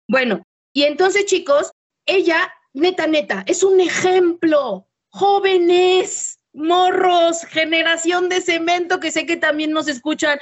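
A high-pitched woman hosting a podcast in a Mexican accent. She talks casually and playfully, full of slang, and keeps acting out quotes. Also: a little hiss or hum. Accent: Mexican Spanish. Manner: slangy, playful, swings into lively voiced quotes. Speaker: podcast host and therapist.

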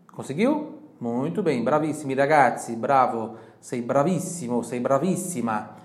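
A man with a Brazilian Portuguese accent teaching Italian, saying phrases slowly and loudly for repetition, then chatting quickly between drills. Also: mid-range voice, echoey room. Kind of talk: language lesson.

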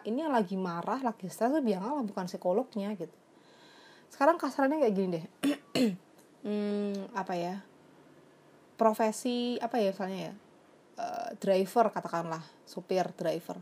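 A woman's voice: mid-range voice, dark tone, slightly rough. A young woman who works as a psychologist, talking in a casual, reflective way and slipping English phrases into her speech. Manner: chatty and reflective, mixing in English phrases, many fillers. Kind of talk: casual confessional vlog.

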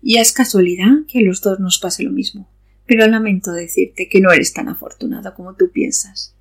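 Woman acting a husky, seductive vampire lady. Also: mid-range voice, normal speed. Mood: seductive, menacing. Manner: coquettish, purring. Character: seductive hungry female vampire, teasing and predatory. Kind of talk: audio fiction acting.

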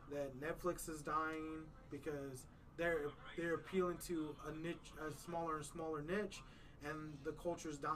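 A man's voice: fairly high pitch, fairly bright tone, distant mic. Laid-back rambling podcast host, man. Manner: laid-back, rambling, peppers speech with "man" and "you know". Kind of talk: casual podcast chat.

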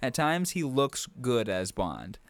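A young man co-hosting a podcast, blunt and joking in casual chat, quick to tease his partner. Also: mid-range voice, sing-song, no echo. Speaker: podcast co-host.

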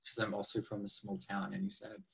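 Low-pitched man, hesitant and careful. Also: sing-song, a little fast, creaky, bright, forceful tone. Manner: hesitant, careful, many fillers. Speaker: podcast co-host. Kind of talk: interview questions.

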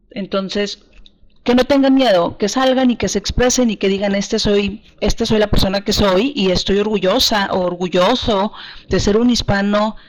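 A woman from Texas, answering interview questions in an earnest, emphatic way and repeating words as she restarts. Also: mid-range voice. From Texas, USA. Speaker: guest, party regional director. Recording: slightly muffled audio.

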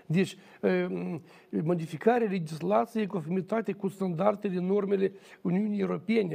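A man speaking as a guest on a studio political debate, measured and emphatic, repeating his points. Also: high voice, vocal fry, dark tone. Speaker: talk show guest, former judge.

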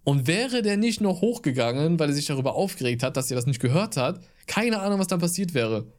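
A man's voice: on the high side, lively intonation, a little fast, a little mellow. A man from the Aachen area co-hosting a podcast, telling stories in a rambling, filler-heavy way. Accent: Aachen German. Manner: rambling storyteller, many fillers. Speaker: podcast co-host. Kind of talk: casual chat.

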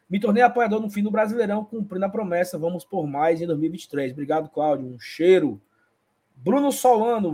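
A husky, high-pitched man hosts a casual live fan show. He reads viewer comments aloud in a playful, chatty way, greeting each one. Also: warm tone. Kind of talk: casual live-stream chat.

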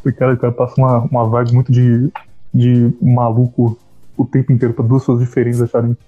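A man's voice: medium pitch, completely flat delivery, brisk, dry recording, narrow, tinny audio, soft background music. A man with a Brazilian accent co-hosting a podcast, joking and telling stories in a laid-back way. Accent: Brazilian Portuguese. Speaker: podcast co-host. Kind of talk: casual podcast chat.

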